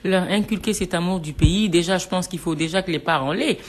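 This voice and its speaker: A woman's voice: fairly low pitch, a little fast. A woman from Senegal hosting a radio talk show, asking questions with many hesitations and restarts.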